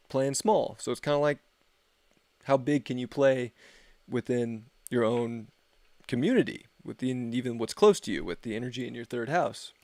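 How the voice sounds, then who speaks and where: An astrology reader gives a casual, rambling forecast on a livestream, laid-back and full of filler words. His mid-range voice has vocal fry and is wearing thin as he loses it. There's no echo.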